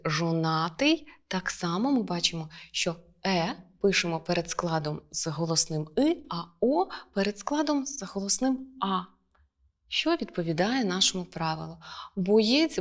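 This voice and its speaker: A woman teacher talks through a lesson in a clear, measured way. She lays weight on each example word and keeps a steady, even delivery. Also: lowish voice.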